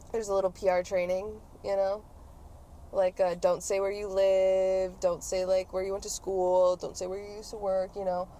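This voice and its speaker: A woman's voice: medium pitch, mellow. A woman hosting a casual, playful podcast chat in a car, slangy and swearing now and then. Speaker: podcast host and ASMR creator. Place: inside a car on the road. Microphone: podcast microphones, portable. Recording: clear car and road noise.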